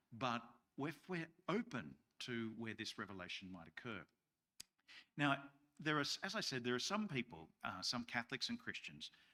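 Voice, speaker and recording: Using very wide pitch swings and a bright, sharp tone with vocal fry, a man talks at a moderate pace with long, frequent pauses. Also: medium pitch for a man. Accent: Australian. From Australia. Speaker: Jesuit priest and film critic. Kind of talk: lecture.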